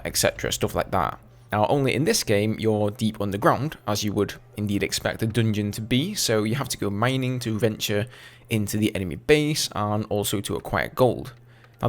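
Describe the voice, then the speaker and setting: A man in his twenties with an English accent, casually answering viewer questions over gameplay footage in a relaxed, chatty way. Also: on the low side. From England. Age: 20s. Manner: chatty, relaxed, with fillers and asides. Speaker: gaming YouTuber.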